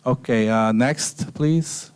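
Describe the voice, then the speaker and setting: Man giving a smooth, relaxed slide lecture. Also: medium pitch, slow. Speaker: guest lecturer.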